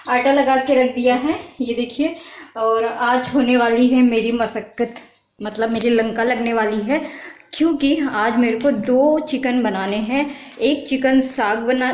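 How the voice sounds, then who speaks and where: A young woman with a high voice chats through her home vlog, talkative and quick to exclaim and laugh. Her voice sits in a roomy space and the recording sounds a little dull, with faint background noise. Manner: chatty, laughs often, exclaims at things. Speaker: vlogger. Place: at home, indoors.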